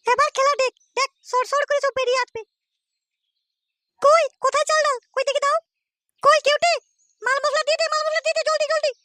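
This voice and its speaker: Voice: very high-pitched, fairly even intonation, fairly quick, long pauses, sharp tone, a little hiss or hum. A performer voicing a cheeky, foul-mouthed boy prankster in a Bengali comedy cartoon, brash, boastful and taunting. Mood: scheming. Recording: music behind the voice.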